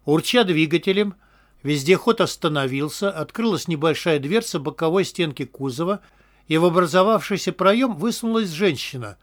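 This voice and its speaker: A man reading an audiobook as narrator, in a steady, measured way. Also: fairly high pitch. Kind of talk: scripted narration.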